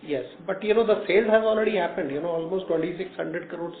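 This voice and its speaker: A man's voice: high-pitched, quick pace, gravelly. A man answering as a company executive in a hesitant, filler-heavy way. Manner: hesitant, peppered with "you know". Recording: echoey noisy phone line.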